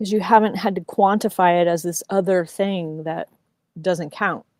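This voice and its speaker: At a moderate pace, a woman speaks in a normal speaking voice at a medium pitch with fairly even intonation, the sound dry and close with no echo. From United States. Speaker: podcast host. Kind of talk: podcast conversation.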